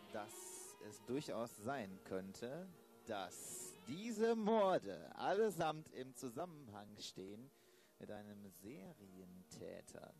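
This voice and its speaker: Guy acting a pompous old-hand detective in a radio play, lowish voice, stilted, music behind. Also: creaky, heavily acted. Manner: pompous, stilted, deliberate phrasing. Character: pompous, self-important veteran male detective. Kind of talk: improvised audio drama acting.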